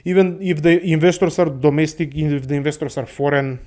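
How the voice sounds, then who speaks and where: A Balkan host with a somewhat high, slightly mellow voice talks briskly in a level tone during a casual monologue to viewers. He rambles, swears and laughs often, repeatedly calling listeners his friends.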